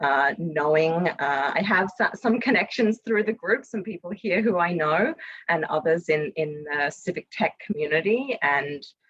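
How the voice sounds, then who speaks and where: Speaking with hardly any pauses, a woman uses a fairly low voice and lively intonation. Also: fairly slow pace. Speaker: city program manager. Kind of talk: presentation.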